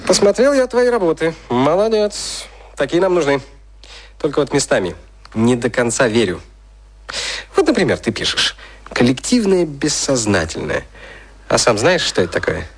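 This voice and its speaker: A man's voice: on the high side, sing-song, normal speed, pauses often, husky, exaggerated voice. A male actor in a radio drama playing a youngish, jovial and sly boss who talks bluntly and mockingly. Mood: probing, mocking.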